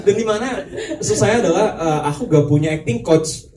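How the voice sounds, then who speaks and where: Relaxed slangy young man, echoey hall. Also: high-pitched, fairly quick, recorded from a distance, a little hiss or hum. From Kalimantan. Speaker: film actor at a press conference. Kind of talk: casual chat.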